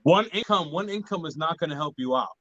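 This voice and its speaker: Bright, halting male podcast host. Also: a little high, lively intonation, no echo. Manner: halting, many fillers and restarts. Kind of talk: casual panel chat. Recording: dull, dry lo-fi audio.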